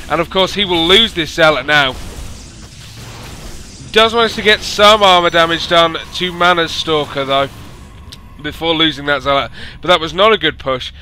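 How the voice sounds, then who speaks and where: A man, hoarse from losing his voice, hosting and commentating a strategy game by himself and rising to excited announcing at big moments. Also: high voice, a little hiss or hum. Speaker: esports caster and show host.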